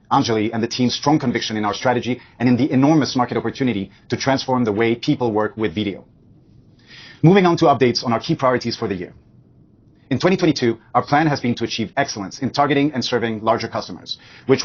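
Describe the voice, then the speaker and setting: A man's voice: medium pitch, husky, dull audio. A man speaking as a company executive, reading prepared earnings call remarks in a businesslike manner.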